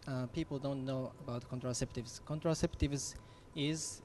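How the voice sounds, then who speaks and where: A man's voice: medium pitch, fairly even intonation, moderate pace, darkish tone, slight background noise. A young man, giving his view on a student panel in careful phrases. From Japan. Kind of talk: panel discussion.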